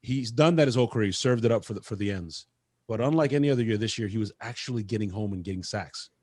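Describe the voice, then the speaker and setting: Male co-host, quick and brash, dry close sound. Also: fairly low pitch, darkish tone, dry recording. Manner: brash, teasing, crude. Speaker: podcast co-host. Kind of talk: casual podcast banter.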